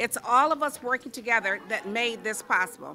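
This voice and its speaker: At a moderate pace, a woman speaks in a raised, projected voice over light background noise. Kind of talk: ceremonial speech. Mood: warm, grateful. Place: hall. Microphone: podium.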